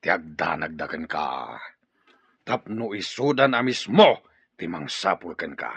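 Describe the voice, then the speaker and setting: An actor playing a cruel tribal leader who taunts in drawn-out threats, with an Ilocano accent, in a radio drama. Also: male voice, on the low side, creaky, pushed and bright, husky, no room sound, exaggerated voice. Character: cruel, gloating tribal leader, adult male villain. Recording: muffled, band-limited radio drama recording.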